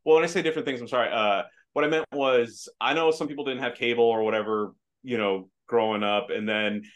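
Male podcast guest, American accent, halting casual delivery. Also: medium pitch, a bit bright. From Afghanistan. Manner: hesitant, many fillers and restarts. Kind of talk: casual chat. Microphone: video call.

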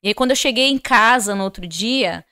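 Animated woman telling her testimony. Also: fairly high pitch, fairly quick, smooth. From Rio de Janeiro, Brazil. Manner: animated storyteller who acts out quoted dialogue and addresses listeners directly. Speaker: podcast guest. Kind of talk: personal faith testimony in conversation.

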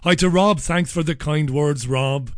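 A hoarse man hosts a talk radio show, sounding chesty as he loses his voice. He jokes and chats his way through listener messages, answering each one. His voice sits a little high for a man and is recorded dry and close. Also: measured pace, dry recording. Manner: joking, chatty, reads messages aloud and answers them. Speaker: radio host.

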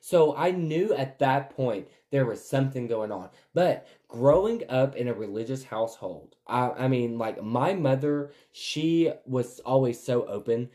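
A man's voice: medium pitch, lively intonation, measured pace, few pauses, mellow. Candid young man telling stories. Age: 20s. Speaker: podcast host. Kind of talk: casual personal chat.

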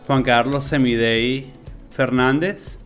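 A man's voice: medium pitch, soft background music. Eager man telling a story. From Venezuela. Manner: enthusiastic, animated, drawn-out emphasis. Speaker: interview guest, florist. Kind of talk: conversational storytelling.

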